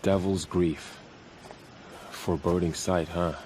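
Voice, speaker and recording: An actor playing a grave, loyal tribal warrior in a video game, speaking solemnly and tersely. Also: male voice, low voice, little pitch movement, slow, a little mellow, slight background noise. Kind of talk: video game cutscene acting.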